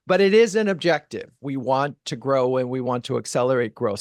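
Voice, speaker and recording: A middle-aged man with a Californian American accent, hosting an interview in a chatty, expressive, conversational way. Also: mid-range voice, dry recording, studio quality. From California, United States. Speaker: podcast host.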